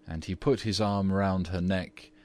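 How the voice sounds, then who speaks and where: A man narrating a classic story in a measured, even reading voice. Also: sits low.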